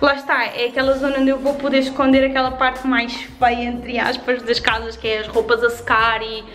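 A young woman in her twenties with a European Portuguese accent, chatting upbeat through a house tour vlog, filmed on a handheld camera in an empty flat. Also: on the high side, moderate pace, reverberant, soft background music. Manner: chatty and upbeat, fond of diminutives. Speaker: vlogger. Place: empty renovated flat indoors. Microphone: handheld camera at arm's length.

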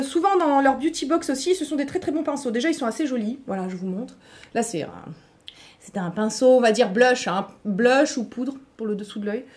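A woman's voice: high voice, a little hiss or hum. A middle-aged woman chatting casually as a beauty vlogger unboxing products, talking to her viewers with frequent fillers and restarts. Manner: playful asides to viewers.

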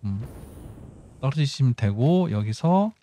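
A man's voice: mid-range voice, animated, measured pace, noisy background. A man giving casual game tutorial commentary, explaining step by step and thinking aloud as he goes. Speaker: gaming channel host.

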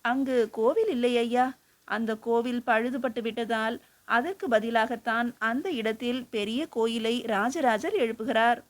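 A woman's voice: fairly high pitch, measured pace, lightly acted. A woman voicing a young male scholar who speaks with earnest, respectful humility.

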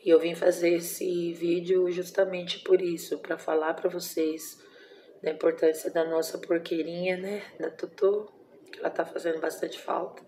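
Brazilian woman, 40s, home vlogger; low, dark tone, tender and emotional storytelling. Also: little pitch movement, normal speed, a little hiss or hum. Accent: Brazilian Portuguese. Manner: emotional, tender, uses many diminutives and fillers like "né". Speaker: vlogger, mother. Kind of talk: casual personal vlog storytelling.

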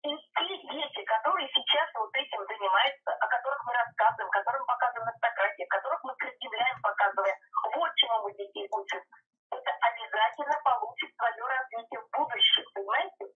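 High-voiced woman on a tinny phone line. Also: quick pace, faint music behind. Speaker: schoolteacher and phone-in guest. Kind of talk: earnest monologue on a phone call. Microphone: telephone through a speaker.

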